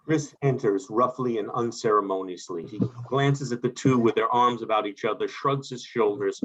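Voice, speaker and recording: A man's voice: on the low side, fairly bright tone, breathy edge. A man reading stage directions aloud for a play reading held on a video call. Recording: muffled, lo-fi video call audio.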